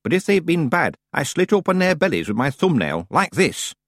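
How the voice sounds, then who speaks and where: A man voicing a proud, sly old woman witch in an audiobook, with crisp, dramatic, genteel delivery. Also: fairly high pitch, big pitch swings, normal speed, no room sound, clean studio sound, pitched above the performer's own voice. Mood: delighted, menacing. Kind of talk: audiobook character voice.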